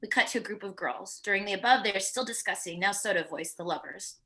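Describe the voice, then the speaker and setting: Bright-voiced woman reading stage directions. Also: mid-range voice, fast. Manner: plain descriptive reading with occasional stumbles. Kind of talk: reading screenplay directions aloud at a virtual table read.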